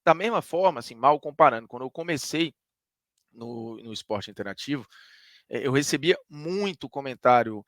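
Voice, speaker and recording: A man's voice: medium pitch, expressive, normal speed, a bit bright, no room sound, studio quality. A man from Ceará with a Northeastern Brazilian accent, a sports commentator giving an emphatic, conversational opinion monologue that argues point by point.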